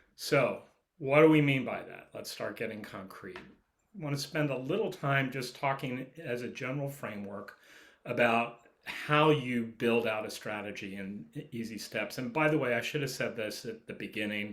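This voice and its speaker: A man speaks in an unremarkable speaking voice at medium pitch and a moderate pace. His pitch variation is ordinary, but his loudness swings a lot. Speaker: nonprofit strategy consultant. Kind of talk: webinar presentation.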